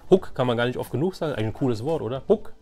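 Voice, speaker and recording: A man's voice: medium pitch, lively intonation, very fast, over music. A man hosting a casual show-and-tell collecting vlog, enthusiastic and rambling, often repeating himself. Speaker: host of a toy collecting channel.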